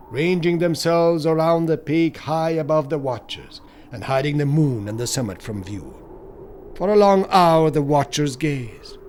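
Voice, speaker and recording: A man's voice: a little high, darkish tone, a little hiss or hum. A man narrating a scripted horror audiobook in a solemn, theatrical storytelling manner.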